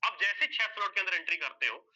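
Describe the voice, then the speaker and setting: A man explains something on a whiteboard in a high, very bright, sharp voice. He goes step by step, repeats each point and answers his own rhetorical questions. The recording is dull and lo-fi. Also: animated, quick pace. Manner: addresses listeners as sir and brother. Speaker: presenter explaining an earning plan.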